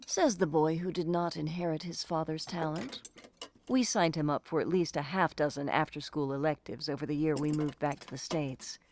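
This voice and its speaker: Woman playing a caring middle-aged mom, lowish voice. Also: normal speed, darkish tone, a little hiss or hum, lightly acted. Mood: warm, teasing. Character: warm, teasing, protective mother of a teenage son. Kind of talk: audio drama acting.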